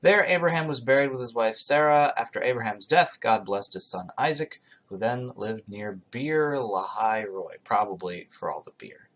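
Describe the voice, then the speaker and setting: A man's voice: on the low side, a bit bright. A man reading scripture aloud in a casual way, with wry, irreverent, sarcastic asides of his own.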